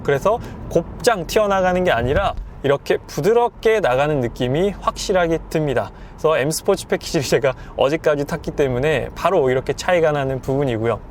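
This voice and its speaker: A man reviewing a car as he drives, explaining things in a measured, polite way with a slightly hoarse, clogged throat. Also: fairly high pitch, lively intonation. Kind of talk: car review commentary while driving. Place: inside a moving car. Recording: clear vehicle and road noise. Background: car driving noise.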